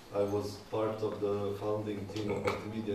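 A man talks at a moderate pace, with audible room echo and loud background noise behind him. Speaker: workshop leader. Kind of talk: workshop facilitation. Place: meeting room. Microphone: camera far.

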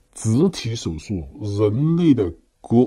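A man speaks in a dark, mellow tone, his pitch swinging very widely. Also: quiet background. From Sichuan, China. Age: 40s. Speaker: patient. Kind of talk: interview. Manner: halting, with repetitions and fillers. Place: office.

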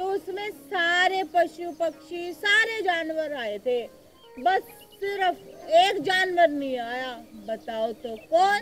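A woman's extremely high voice at a very slow pace, with big swings in loudness and faint music in the background. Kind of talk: scripted comedy skit dialogue. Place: waterside.

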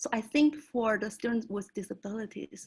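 A woman speaks at a fairly high pitch with a non-native accent. Her intonation is lively and her voice somewhat breathy. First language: non-English. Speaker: board of education candidate. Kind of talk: candidate forum answer.

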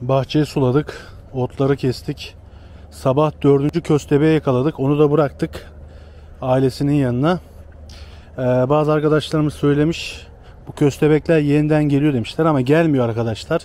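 In a dry recording with no echo, a man speaks in a dark, mellow tone with very even loudness and fairly even intonation. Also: moderate pace. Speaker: home vlogger. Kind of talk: casual vlog chat. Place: garden. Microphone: phone near.

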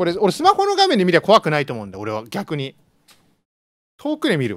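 Against a quiet background, a man talks very fast with a dry sound and no echo. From Japan. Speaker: gaming YouTuber. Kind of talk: let's play commentary. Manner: animated. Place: home room. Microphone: studio mic.

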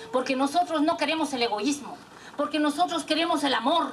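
A high-pitched woman's voice with ordinary pitch variation and light background noise. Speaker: beauty guru. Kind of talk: motivational talk to women. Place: home room. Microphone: old recording.

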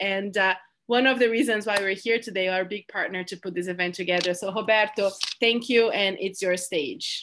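A woman talks at a fairly quick pace in a bright, sharp tone, with ordinary pitch variation. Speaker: chamber of commerce executive and event MC. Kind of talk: formal event hosting. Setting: video call. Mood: friendly, smiling. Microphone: video call.

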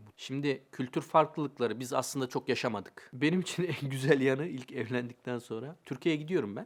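A man talks at a very fast pace. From Turkey. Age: 40s. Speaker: university lecturer. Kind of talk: interview storytelling.

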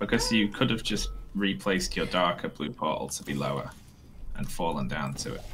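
Noticeable background noise accompanies a man speaking at a fairly quick pace with a very deep, low pitch. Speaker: streamer. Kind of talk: casual chat.

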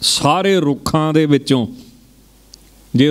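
A man is speaking. The background is quiet. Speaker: religious preacher. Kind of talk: sermon. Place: hall. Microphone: podium.

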